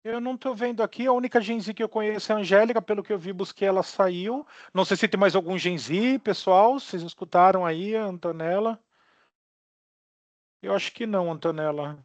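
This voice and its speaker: A man's voice: high-pitched, brisk, no room sound. A man hosting an online meeting, upbeat and talking directly to his audience. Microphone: video call. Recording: dry, dull video call audio.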